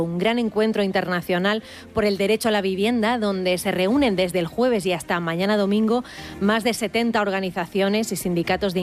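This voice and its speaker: A woman from delivers a scripted news report. Her voice sits in the middle of the range, and her delivery is measured and clear. Faint music plays underneath. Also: medium pitch. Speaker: radio reporter.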